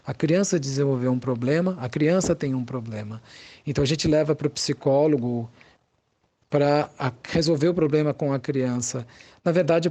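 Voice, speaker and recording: A Brazilian man, a psychologist being interviewed, gives conversational explanations in a thoughtful, halting way, searching for his words. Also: medium pitch, darkish tone.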